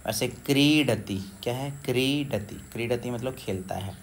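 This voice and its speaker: A man's voice: mid-range voice, a little hiss or hum. Patient man teaching a class lesson. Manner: patient, repeats words slowly with check-ins. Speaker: Sanskrit teacher. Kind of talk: explaining a school textbook lesson.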